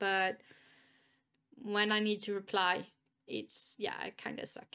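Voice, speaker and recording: Here a woman speaks with a Swedish accent at a fairly high pitch in a bright, sharp tone. The recording is very clean, with a silent background. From Sweden. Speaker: YouTube reaction channel host. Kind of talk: casual chat. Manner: hesitant, many fillers.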